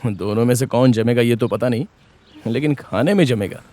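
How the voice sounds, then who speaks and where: An actor dubbing a gruff, teasing young man in a film. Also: medium pitch, normal speed, warm tone, a little hiss or hum, close to an everyday voice.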